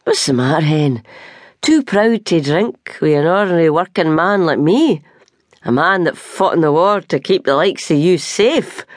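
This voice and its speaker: A woman's voice: low-pitched, animated, normal speed, dry recording, studio quality. A woman voicing a belligerent drunk Scottish working man, an ex-soldier, with a slurring, sneering manner.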